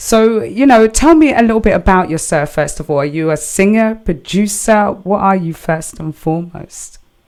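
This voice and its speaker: Delivered at a moderate pace in a British accent, with hardly any pauses. The intonation is lively throughout. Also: woman, medium pitch for a woman. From England, West Indian heritage. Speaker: radio host. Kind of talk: radio interview.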